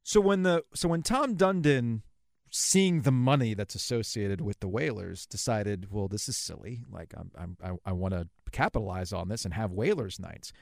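A man's voice: fairly low pitch, normal speed, creaky, no echo, clean studio sound. A man hosting a sports podcast interview, informal and thinking aloud as he rephrases his questions.

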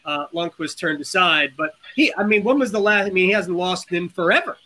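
An eager male podcast host with a high, bright voice. He talks with plenty of fillers and false starts as he sets up his questions. His tone is sharp and forward. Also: a little fast. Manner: eager, chatty, lots of fillers. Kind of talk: casual podcast conversation.

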